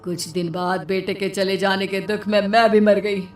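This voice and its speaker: A woman doing a slow, cackling vengeful witch. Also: mid-range voice, flat delivery, recorded from a distance, faint music behind, close to an everyday voice. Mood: bitter. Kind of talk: storybook cartoon voice acting.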